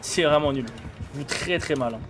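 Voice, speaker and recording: A man's voice: on the high side, moderate pace, over music. A man in his thirties thinking aloud in blunt, informal live gameplay commentary as a streamer. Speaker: game streamer. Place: indoor streaming setup.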